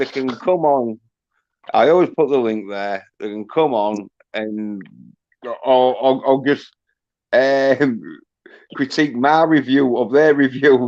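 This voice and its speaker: At a very slow pace with long, frequent pauses, a man speaks at a medium pitch, with ordinary pitch variation. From Yorkshire, northern England. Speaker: livestream host. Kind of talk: casual chat. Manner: words jumble together when excited.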